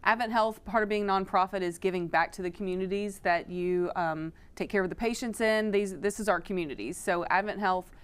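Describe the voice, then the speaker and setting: A woman's voice: medium pitch, brisk, few pauses, clear, resonant tone. A middle-aged woman from Florida, a foundation director, answering interview questions in a studio in a friendly, informative way with frequent "um" fillers. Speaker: foundation executive director, guest.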